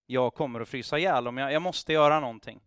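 A man's voice: medium pitch, a bit bright, smooth, dry recording, studio quality. A man preaching, telling a story in a loose, conversational way with restarts and acted-out dialogue. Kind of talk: sermon storytelling.

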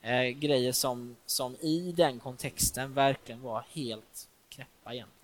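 A man's voice: medium pitch, fairly even intonation. A man preaching a sermon in a church, talking informally with fillers and restarts.

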